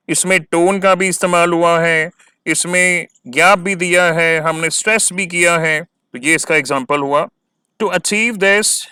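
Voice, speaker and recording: Man teaching a slow, clear lesson. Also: on the high side, pushed and bright, no echo, studio quality. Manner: explains with examples, reads English answers slowly. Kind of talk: exam-prep lecture.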